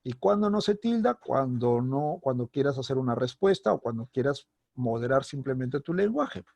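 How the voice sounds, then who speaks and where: A man's voice: medium pitch, animated, moderate pace, gravelly, darkish tone, no echo. A man teaching a recorded grammar lesson, explaining patiently and checking in with his student again and again. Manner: explanatory, checks in with a frequent "¿listo?"; speaks directly to the student, stressing example words. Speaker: secondary school language teacher.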